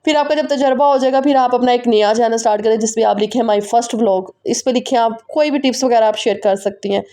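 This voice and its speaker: A woman vlogger with a Pakistani Urdu accent, chatting quickly and directly to her viewers in a casual voice-over. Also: fairly high pitch, warm tone. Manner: fast, run-on, talking straight to viewers.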